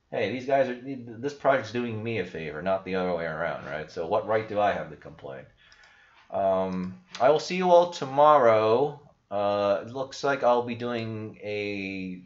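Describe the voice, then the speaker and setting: A man's voice: lowish voice, highs cut off. A young man hosting a casual screen-share video, talking frankly and rambling with lots of fillers, recorded at his desk in a small room. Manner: rambling, frank, peppered with "like" and "you know". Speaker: crypto video host.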